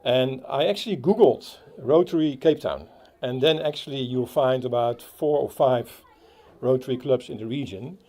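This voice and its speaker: A man with a Dutch accent giving a halting speech at a playground opening, with many fillers and restarts. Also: mid-range voice, mellow. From Netherlands. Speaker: Rotary club speaker. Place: outdoor playground.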